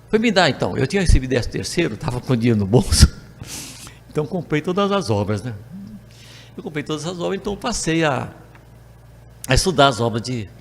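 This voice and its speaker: An older Brazilian man gives a spiritist talk in a reverberant hall. His voice climbs and falls with lively pitch and has a gravelly edge as he acts out the dialogue of his stories. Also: fast talker, long pauses, slight background noise. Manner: animated, acts out dialogue with voice changes. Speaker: spiritist lecturer. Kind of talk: storytelling talk to a spiritist group.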